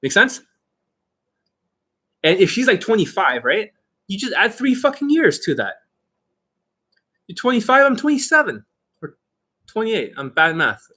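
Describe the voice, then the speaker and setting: A man giving informal coaching to online viewers as their host, brash and boastful, with emphatic, sweary delivery and a slightly rough, husky voice. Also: high-pitched, very animated, measured pace, long pauses, sharp tone. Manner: acts out mock exchanges, emphatic.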